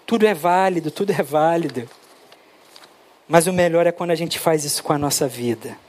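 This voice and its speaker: A man, preaching a sermon and telling stories, acting out the dialogue with lively shifts. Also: a little high, moderate pace. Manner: animated, acts out dialogue with his son. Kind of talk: sermon with storytelling.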